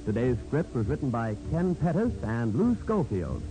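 A man's voice: medium pitch, sing-song, normal speed, poor audio. An American man announcing in formal, polished 1940s scripted radio style. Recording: 1940s radio broadcast recording. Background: music.

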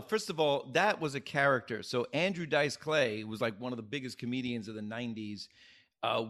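Comedian guest in a relaxed podcast chat. Lively, keeps dropping into voices. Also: male voice, medium pitch. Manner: animated, acts out quotes. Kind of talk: casual interview chat.

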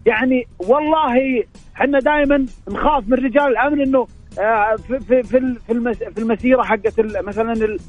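Hoarse excited caller. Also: male voice, very high-pitched, fast, muffled recording, faint music behind. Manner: excited, emphatic, swears oaths. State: hoarse, voice nearly gone.

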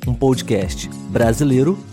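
A friendly man in his thirties from Rio de Janeiro state, Brazil, hosts a scripted solo podcast over music. His medium-pitched voice has lively intonation, and he speaks clearly and unhurriedly for language learners.

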